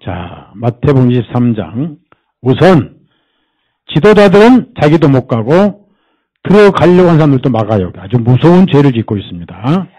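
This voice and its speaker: A man's voice: medium pitch, normal speed, husky, highs cut off. Male pastor giving a sermon at church, voice swoops up and down a lot, keeps asking the crowd questions. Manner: animated, quizzes the congregation with rhetorical questions; mimics people and jokes to make points. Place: church service.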